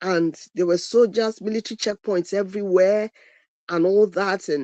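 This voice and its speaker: A woman speaks with a Nigerian accent at a medium pitch, her tone dark and mellow. The sound is dry and close with no echo. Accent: Nigerian Igbo English. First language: Igbo. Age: 60s. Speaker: evangelist. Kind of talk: talk show interview.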